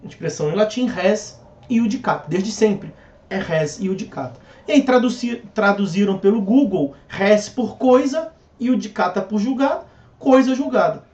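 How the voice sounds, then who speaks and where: A man teaches civil procedure, keeping it conversational with rhetorical questions and jokey asides. His voice sits high. The recording is dull and lo-fi. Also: animated, moderate pace, a little mellow. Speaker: law lecturer.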